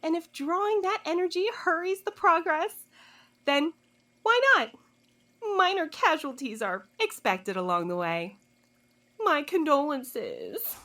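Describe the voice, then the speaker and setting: Woman playing a high, swooping, smug informant. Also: lively intonation, a little slow, bright, forceful tone, heavily acted. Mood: cool, philosophical. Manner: teasing, condescending, theatrical drawl. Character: sly, smug woman informant, coolly taunting her interrogators. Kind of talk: audio drama acting.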